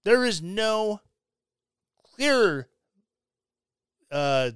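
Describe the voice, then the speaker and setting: A man's voice: sits high, big pitch swings, very slow, a bit bright, clear, resonant tone, no echo, studio quality. A man from Missouri hosting a podcast, delivering a blunt opinionated rant with sarcastic asides. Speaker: podcast host. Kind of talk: opinionated monologue.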